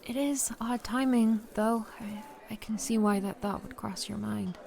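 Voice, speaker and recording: A woman playing a protective, reassuring and quietly suspicious close friend in an audio drama. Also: mid-range voice, steady tone, measured pace, creaky. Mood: probing.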